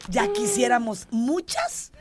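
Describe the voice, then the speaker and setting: A woman's voice: on the high side, huge pitch swings, slow pace. A woman with a Mexican accent co-hosting a casual gossip podcast, playful and teasing with slangy remarks. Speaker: podcast co-host.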